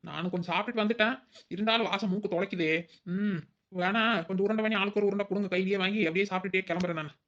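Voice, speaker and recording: Woman voicing a teasing village woman for a cartoon, quick, lo-fi. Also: medium pitch, fairly even intonation. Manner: teasing, joking banter. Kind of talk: cartoon voice acting.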